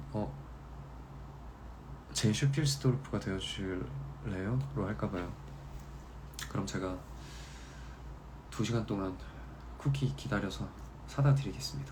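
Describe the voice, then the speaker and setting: A man speaks at a very deep, low pitch with vocal fry and very wide pitch swings. His pace is fairly slow, with long, frequent pauses, and the room echo is audible. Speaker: musical theatre actor. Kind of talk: casual livestream chat reading viewer comments. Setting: Instagram live stream.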